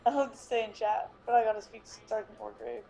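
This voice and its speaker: Woman playing a deadpan, flat-toned noir private detective. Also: fairly high pitch, quick pace, gravelly, faint music behind. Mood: awkward, casual. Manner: deadpan, brooding, grandiose. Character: hard-boiled, self-important private detective, former cop. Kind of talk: 1930s noir radio drama narration.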